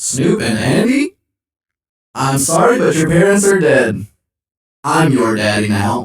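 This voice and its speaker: A man's put-on robotic character voice, fairly high-pitched and fairly slow, with very wide pitch swings and long, frequent pauses. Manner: slight robotic voice effect.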